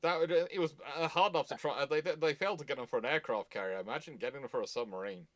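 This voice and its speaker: Male host, mid-pitched, casual live history chat, deliberate and wry explainer. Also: a crowd in the background.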